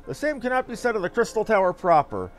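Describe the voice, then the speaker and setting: A man's voice: high-pitched, huge pitch swings, fast talker, voice pushed up. A man voicing an earnest, wordy male scholar in a fantasy game, speaking with formal, archaic courtesy. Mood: courteous, regretful. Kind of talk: fantasy game dialogue read aloud.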